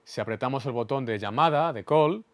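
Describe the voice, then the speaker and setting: A man with a Spain Spanish accent giving an instructional equipment demonstration in a clear, methodical, didactic way. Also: mid-range voice, fairly quick, no room sound. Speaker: instructor explaining studio equipment.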